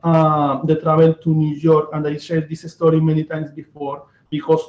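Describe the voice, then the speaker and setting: A man from Venezuela with a Venezuelan Spanish accent, hosting a casual interview and often halting to search for words. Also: a little high, completely flat delivery. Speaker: host. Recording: echoey, dull lo-fi room sound.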